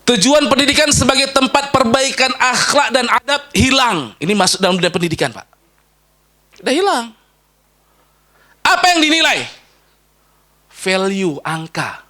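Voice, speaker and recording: A male preacher lecturing a live audience in a hall. His voice sits very high and sounds forceful and sharp, and he is animated, joking as he swings up and drops low. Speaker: Islamic preacher.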